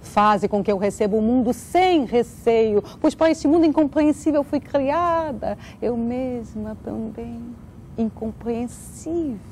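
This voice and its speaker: A woman's voice: on the high side, unhurried, a little mellow, slight background noise. A woman speaking earnestly as a guest, in the manner of someone who performs. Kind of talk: earnest interview talk and poetic recitation.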